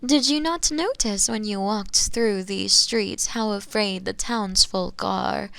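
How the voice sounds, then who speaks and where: A woman's voice: medium pitch, takes it slowly, vocal fry, fairly bright tone, clean tone, no room sound. A woman voicing a sly, seductive witch captor in a roleplay audio drama, teasing and condescendingly sweet, often slipping into whispers. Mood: soothing, coaxing. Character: sly, seductive female witch captor, possessive and self-assured.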